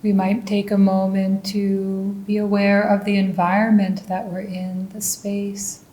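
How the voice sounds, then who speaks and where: A woman leading a guided mindfulness meditation, speaking calmly and gently. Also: medium pitch, roomy sound. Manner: slow, calm and gentle instruction.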